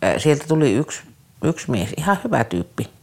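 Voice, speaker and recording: A man with a gravelly voice recounts his years as a youth care counselor in an interview. His intonation rises and falls widely. He speaks haltingly and earnestly, often stopping to restart a sentence. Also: fairly high pitch, sing-song. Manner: earnest, troubled storytelling. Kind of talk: personal recollection in an interview.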